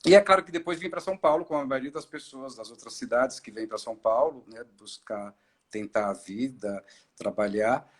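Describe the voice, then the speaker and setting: A middle-aged man from Ceará, an actor and director, telling his story in a relaxed live-stream interview, with many fillers and restarts. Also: medium pitch, moderate pace, breathy edge. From Ceará, Brazil. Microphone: video call.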